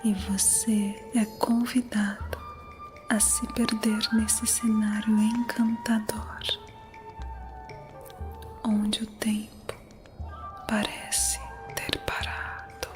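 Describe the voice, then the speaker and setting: A woman narrating an ASMR guided meditation in a soothing, unhurried manner. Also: mid-range voice, little pitch movement. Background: music.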